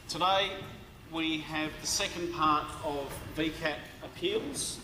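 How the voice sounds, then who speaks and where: A male law lecturer whose voice is hoarse and worn from long teaching. He talks slowly, pausing, restarting and adding fillers, a little higher in pitch than most men. The recording carries the long echo of a big lecture hall with steady background noise. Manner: slow and halting, with many fillers and restarts. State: hoarse, tired voice. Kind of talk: university lecture.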